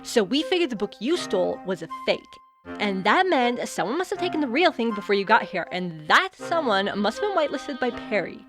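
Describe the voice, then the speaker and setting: Breezy theatrical schoolgirl, female actor, audio comedy. High, very animated, slangy and chatty, music underneath. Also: fairly quick. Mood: breezy storytelling. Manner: chatty, slangy, dramatic storytelling. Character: breezy, theatrical teenage girl student, loves acting. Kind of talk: audio drama comedy acting.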